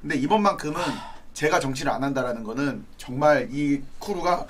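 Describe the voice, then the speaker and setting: A man's voice: medium pitch, a little fast, a little hiss or hum. A man in a streamer crew giving an earnest speech to viewers in casual chat.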